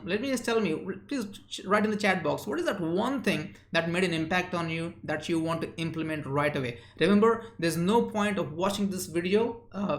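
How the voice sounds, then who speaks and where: An Indian man who works as a memory coach hosts a live stream, his slightly high, bright voice sounding roomy. Chatty and quick, he reads out viewers' names and chat messages and answers them, with frequent "uh" fillers.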